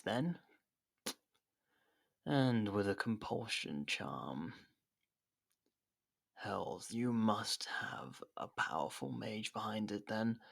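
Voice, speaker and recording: Captive royal played by a man: haughty, sardonic ASMR drama role; low-pitched, unhurried, full of theatrical pauses. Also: creaky. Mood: grudging admiration. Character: captured haughty royal, sarcastic rival hiding affection. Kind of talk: ASMR roleplay acting.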